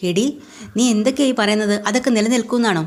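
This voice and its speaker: A woman's voice: fairly high pitch, fast, natural voice. Woman voicing a nervous, fearful man. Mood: worried. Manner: worried and doubting. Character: nervous, fearful middle-aged man, a petty thief.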